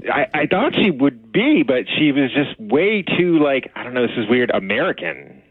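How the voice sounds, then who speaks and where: A man calling in by phone, talking in a hesitant, halting way with awkward pauses. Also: medium pitch, very animated, husky, no echo. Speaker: caller. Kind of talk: phone conversation with radio hosts. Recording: tinny phone line.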